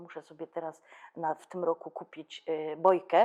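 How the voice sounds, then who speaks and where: A woman with a fairly low pitch speaks at a moderate pace in a dry, close sound with no echo. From Upper Silesia, Poland. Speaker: actress. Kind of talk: casual interview chat. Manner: hesitant with fillers.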